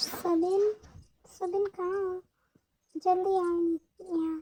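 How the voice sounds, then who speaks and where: A woman shouts loudly in a squeaky, put-on character voice, extremely high in pitch with monotone, flat intonation. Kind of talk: commanding, urgent. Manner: shouting, calling loudly.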